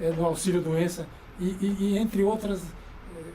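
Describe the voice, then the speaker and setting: Audible room echo surrounds this man's voice. His pitch is high and his pace moderate. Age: 60s. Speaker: union president and podcast host. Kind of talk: podcast discussion. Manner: halting, many fillers and restarts.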